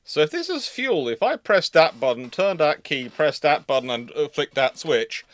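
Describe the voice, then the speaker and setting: A man's voice: a little high, big pitch swings, normal speed, no room sound. A man in casual expert discussion on a livestream, making his points assertively and emphatically. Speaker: panelist on a naval history stream.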